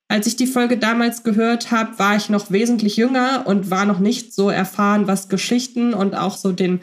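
A woman co-hosting a casual fan podcast, reflecting in long winding sentences full of fillers. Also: medium pitch. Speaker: podcast co-host.

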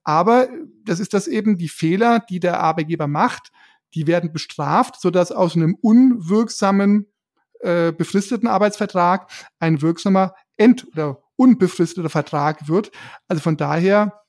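High-pitched man explaining casually. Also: normal speed, darkish tone. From Germany. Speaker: podcast co-host, lawyer. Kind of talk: casual explanatory podcast talk.

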